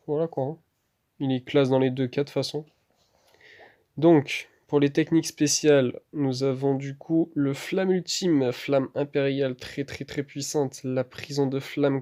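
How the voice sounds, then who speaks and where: A man giving a casual voice-over commentary on gameplay, hesitant and chatty, with many fillers and restarts. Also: mid-range voice. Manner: relaxed, chatty. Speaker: gaming YouTuber.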